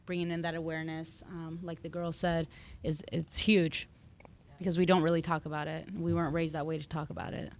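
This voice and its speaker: A woman from the US, a therapist, speaking in a smooth, slightly low voice. She talks thoughtfully on a casual podcast panel, often pausing with fillers as she gathers her words. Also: level tone. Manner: thoughtful, hesitant with many fillers. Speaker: marriage and family therapist.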